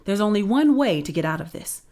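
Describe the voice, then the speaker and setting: A woman's voice: medium pitch, expressive, fairly quick, warm tone, voice pushed up, close to an everyday voice. A woman voicing Jack, a pushy, cocky boy narrator who talks eagerly and brashly.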